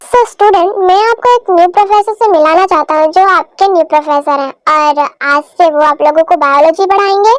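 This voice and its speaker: In a put-on character voice pitched extremely high, the speaker talks at a moderate pace. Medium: fan dub. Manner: formal, businesslike.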